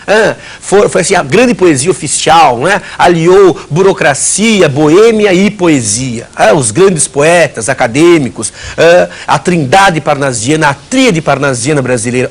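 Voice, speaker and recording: A man with a slightly raised, husky voice gives a recorded lesson to students. He talks in loose spoken runs full of fillers and restarts and slips in ironic asides along the way. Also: fairly high pitch, expressive, a little slow, few pauses. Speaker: teacher.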